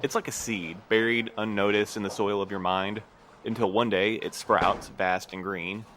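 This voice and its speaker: An actor playing a guarded, weary postmaster in an audio drama, speaking in a careful, slightly formal, measured way. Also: male voice, lowish voice, steady tone, fairly bright tone, a little hiss or hum, close to an everyday voice. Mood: measured, thoughtful. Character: guarded, weary postmaster man, evasive but courteous. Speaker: actor in a fiction podcast.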